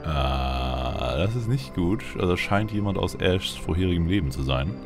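Really deep creaky guy doing a playful gaming roleplay, loud music behind him. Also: animated, normal speed. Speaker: let's player. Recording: voice over loud game music.

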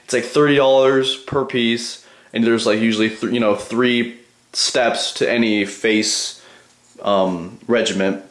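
A man's voice: mid-range voice, fairly even intonation, measured pace, a bit bright, roomy sound. A man in his twenties chatting casually and offhandedly to viewers in a rambling vlog, recorded on a handheld camcorder in a small bathroom. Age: 20s. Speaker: bodybuilding vlogger. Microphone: handheld camcorder at arm's length.

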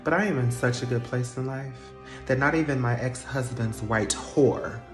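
A smug store manager, as a comedian puts her on, speaking low and unhurried with cutting sarcasm. The voice sits in a roomy space with a thin bed of music behind it. She sounds completely unbothered. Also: natural voice.

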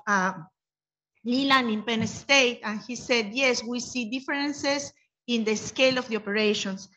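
A woman's voice: on the high side, bright, forceful tone. A woman whose first language is Spanish, speaking earnestly on a conference panel and thinking aloud with many rhetorical questions. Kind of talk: panel discussion remarks. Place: conference room with panel table. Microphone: table mic on stand. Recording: dull lo-fi conference audio.

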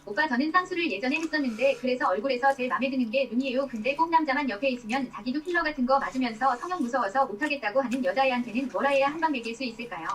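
A woman with a high voice reads out viewers' questions at great speed. She sits away from the mic, so she sounds distant. A faint noise runs under her voice. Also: rapid-fire, hardly any pauses, a bit bright.

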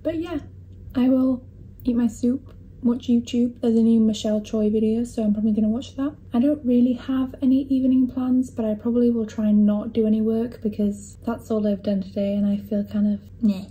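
A woman's voice: on the high side, steady tone, a little fast, mellow, dull audio. A young woman, a university student chatting casually through her day in a vlog, with small laughs and a self-deprecating manner.

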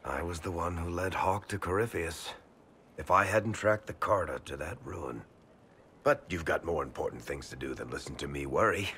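Very deep-voiced wry dwarf. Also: male voice, measured pace, fairly bright tone, slight background noise. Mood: troubled, guilty. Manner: wry, dramatic, conversational. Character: wry, worldly dwarf storyteller weighed down by guilt. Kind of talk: video game dialogue acting.

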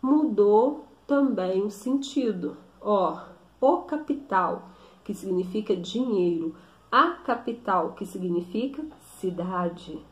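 A woman teacher explaining a grammar lesson slowly, often stopping to check with her students. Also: mid-range voice, lively intonation. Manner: slow, explanatory, with frequent check-in questions. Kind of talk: recorded classroom lesson. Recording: echoey room.

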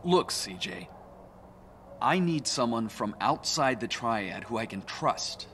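A blind gang leader in a game cutscene: dry, slow, bright tone, plenty of pitch movement. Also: male voice, lively intonation, slight background noise. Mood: earnest. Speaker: game character.

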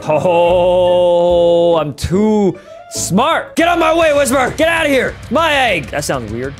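Young male gaming host, high lively voice, hyped and jokey, faint music underneath. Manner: hyped, jokey, swings between shouts and deadpan mutters. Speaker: gaming YouTuber. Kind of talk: energetic gameplay commentary.

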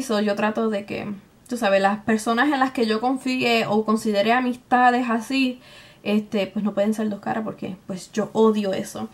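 High-voiced young Puerto Rican woman vlogger. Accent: Puerto Rican Spanish. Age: young adult. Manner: informal, colloquial, with English words mixed in. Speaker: beauty vlogger. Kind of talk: casual chat to camera, answering tag questions. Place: small room at home, indoors.

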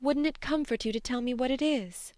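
A woman reading a storybook, voicing a blunt, spirited young woman who talks briskly. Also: high-pitched, darkish tone, no echo, clean studio sound, pitched above the performer's own voice, lightly acted. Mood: tender. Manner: brisk, scolding, then tender.

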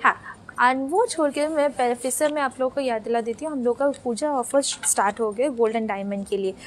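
Young woman, live-stream sales host, bright high voice, casual and chatty, mixes languages, answers viewer comments as she goes. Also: slight background noise. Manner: chatty, switching between Bengali, Hindi and English; reads viewer comments aloud and answers them.

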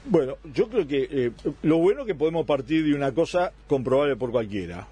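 A man's voice: a little high, expressive, fairly quick, warm tone, husky. A man in his sixties, born in Italy, arguing his side as a guest in a political radio debate. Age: 60s.

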